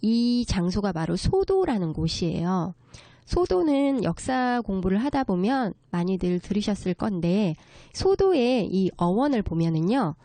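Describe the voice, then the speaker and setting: A woman gives a courteous interview explanation, taking things step by step. Her voice is mellow and relaxed, with lively movement in pitch. The sound is close and dry. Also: unhurried, no echo. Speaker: guest expert, children's story writer. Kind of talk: explanatory interview talk on local folk culture.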